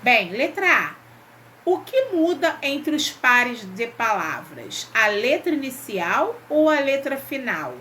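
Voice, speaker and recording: Woman teacher, patient, higher voice, faint hiss behind; for a kids' lesson. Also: sing-song, takes it slowly, bright, forceful tone. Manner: patient, checks in with "ok?" and "né?". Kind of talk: remote Portuguese lesson, reading a textbook exercise.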